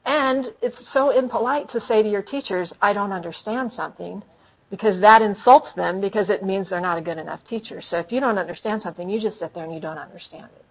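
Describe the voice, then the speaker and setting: A woman speaking to an audience in a conversational talk, answering questions, lively and full of restarts. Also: mid-range voice, a little fast, husky, low-quality recording. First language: English. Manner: animated, frequent restarts. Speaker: speaker training storytellers.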